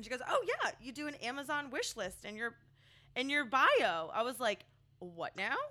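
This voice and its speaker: With a raised, projected voice, a woman speaks at a moderate pace in a high pitch, her intonation lively and her loudness swinging a lot. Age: 30s. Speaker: beer podcast host. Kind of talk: casual interview chat.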